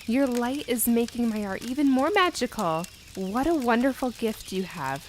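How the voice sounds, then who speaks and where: A woman voicing a cheerful, proud little bug with pincers in a children's story, speaking brightly and encouragingly. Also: on the high side, expressive, moderate pace, slight background noise, close to an everyday voice. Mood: warm.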